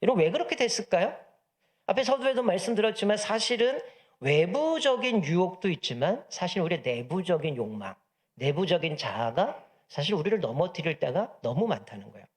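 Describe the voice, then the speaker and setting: A man's voice: sits high, brisk. A man preaching a Sunday sermon as the church's pastor, acting out the characters' lines as he explains the scripture. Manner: animated preaching, acts out dialogue of devil and God in a humorous anecdote.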